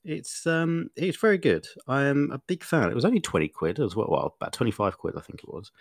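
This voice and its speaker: Chatty and expressive, this man co-hosts a podcast, spinning meandering stories full of fillers at a slightly quick pace in a medium-pitched voice. He's a little sniffly, and the clean studio sound carries no echo in this casual conversation.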